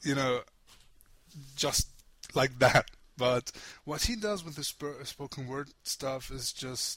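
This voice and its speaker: Very slowly, with long, frequent pauses and big swings in loudness, a man speaks in a bright, sharp tone at a fairly high pitch with ordinary pitch variation. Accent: German. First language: German. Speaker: podcast co-host. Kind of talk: casual chat.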